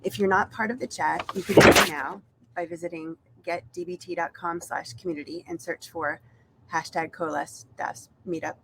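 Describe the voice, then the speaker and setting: A woman with a slightly low voice and a noticeable creak introduces a session as host. She reads in a scripted, announcement style, with clear background noise in the recording. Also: low-quality recording.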